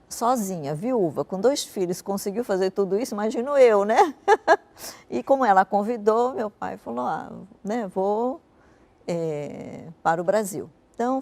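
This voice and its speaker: A woman's voice: mid-range voice, creaky, darkish tone. An older woman who grew up in Japan and speaks natively, recalling her life in a reflective, conversational way during an interview. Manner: reflective storytelling, frequent "né" tags. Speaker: interview guest, businesswoman.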